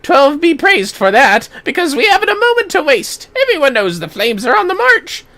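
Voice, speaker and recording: High-pitched male villager put on by a game streamer, frightened, indignant, formal archaic speech, declamatory, fantasy game, swooping intonation. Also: very animated, moderate pace, bright, forceful tone, heavily acted. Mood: earnest, indignant.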